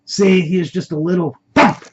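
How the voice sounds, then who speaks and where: A man voicing a violent, mocking Hispanic male kidnapper in an audio story, loud and taunting. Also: high-pitched, steady tone, moderate pace, a little hiss or hum, pitched above the performer's own voice, lightly acted. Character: hot-headed Hispanic male masked thug, mocking and violent. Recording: dull lo-fi recording.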